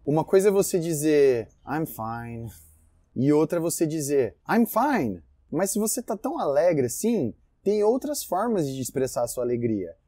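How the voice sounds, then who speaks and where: A man with a Brazilian Portuguese accent teaches English in a casual video lesson, talking straight to his viewers. His voice is warm and mellow, recorded dry and close. He acts out short example dialogues in a lively way. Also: medium pitch, no room sound.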